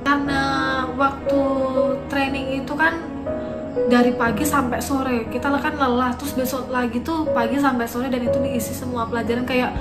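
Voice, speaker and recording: Javanese-accented woman, high voice, easygoing and chatty, loud music under an echoey room. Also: normal speed. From Yogyakarta, Indonesia. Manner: relaxed, laughs easily, chatty. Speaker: guest. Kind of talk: casual chat.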